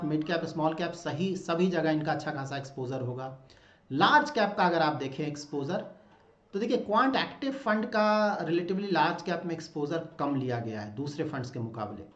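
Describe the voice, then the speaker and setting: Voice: mid-range voice, reverberant, lo-fi sound. A mutual fund educator giving a methodical walkthrough explainer, addressing the viewer directly and going over the figures step by step. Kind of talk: screen-walkthrough finance explainer.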